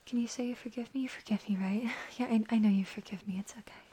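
A young woman performing a whispered audio roleplay, voicing an anxious, apologetic young woman who soothes a crying partner in hushed, repetitive murmurs. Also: a little high, fairly even intonation, fast talker, husky. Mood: hushed, soothing.

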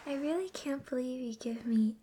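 A young woman whispering softly and giggling often into a close mic, doing an ASMR roleplay. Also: high-pitched, moderate pace, a little hiss or hum. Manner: soft whispering with frequent giggles.

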